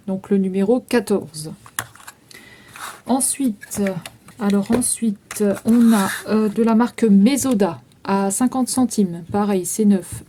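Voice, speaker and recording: A woman's voice: mid-range voice, warm tone, a little hiss or hum. A woman in her thirties casually going through makeup items for sale, listing prices and numbers with frequent fillers. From France. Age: 30s. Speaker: vlogger selling makeup. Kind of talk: casual sales walkthrough.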